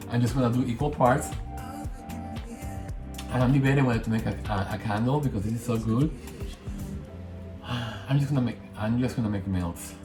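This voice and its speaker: A man with a Spanish accent talking through a candle-making session in a casual, rambling way, often correcting himself as he goes. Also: medium pitch. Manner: rambling, self-correcting, chatty. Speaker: candle maker. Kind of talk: casual hands-on tutorial. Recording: roomy echo, faint music.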